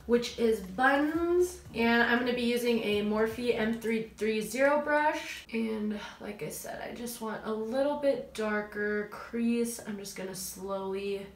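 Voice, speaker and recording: A woman's voice: on the high side, a little slow, few pauses, roomy sound. Nasal young woman, chatty makeup tutorial. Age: young adult. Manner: chatty, gushing, self-teasing. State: stuffy nose. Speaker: beauty vlogger. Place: small home room, indoors. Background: dogs playing.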